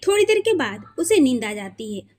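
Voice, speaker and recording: Expressive woman storyteller. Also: sits high, moderate pace. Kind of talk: scripted story narration.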